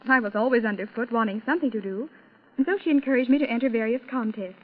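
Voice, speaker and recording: An eighteen-year-old woman from Salt Lake City chats modestly with an interviewer, her voice sitting fairly high. The sound is thin and tinny, like an old radio broadcast heard over a phone line. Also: fast. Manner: modest and chatty, with light laughs. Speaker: interview guest, contest champion.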